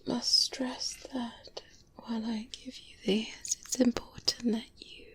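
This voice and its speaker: A woman playing a stern, cautious vampire-hunter mentor in a soft-spoken ASMR roleplay, earnest and measured, giving firm warnings close to the microphone. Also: a little high, level tone. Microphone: close-up binaural microphone.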